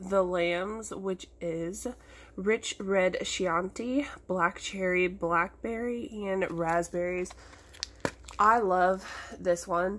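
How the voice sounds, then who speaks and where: Ordinary pitch variation in a woman's speech. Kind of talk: casual product review chat. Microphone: phone near.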